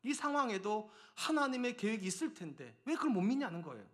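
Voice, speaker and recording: A male pastor giving a Sunday sermon, telling a story with many rhetorical questions and reading scripture slowly. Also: sits high, sing-song, a bit bright. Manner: reads scripture aloud slowly. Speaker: senior pastor.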